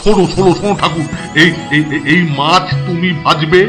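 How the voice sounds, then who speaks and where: Guy doing a gluttonous cartoon superintendent, west bengal accent, high slow babbly voice, music behind. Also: fairly even intonation, natural voice. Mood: greedy delight. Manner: humming, babbling, repeating words greedily. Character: gluttonous, excitable middle-aged male hostel superintendent. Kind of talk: exaggerated Bengali cartoon voice acting.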